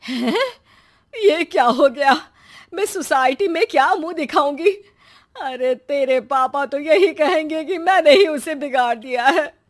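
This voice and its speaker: A woman's voice: sits high, unhurried, pitched above the performer's own voice. A woman voicing an anxious, easily alarmed mother in a cartoon. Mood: fretful. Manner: fretful, exclamatory.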